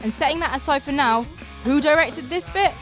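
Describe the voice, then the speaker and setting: A woman's voice: high voice, fairly quick. A British woman delivering comic scripted commentary in a sardonic, incredulous manner. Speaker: video narrator. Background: music.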